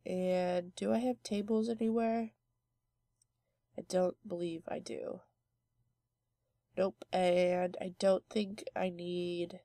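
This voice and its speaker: A woman's voice: fairly low pitch, vocal fry, warm tone, no echo, studio quality. A young woman with a stuffy head cold, hosting a let's play with chatty, rambling commentary full of fillers. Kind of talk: casual gameplay commentary.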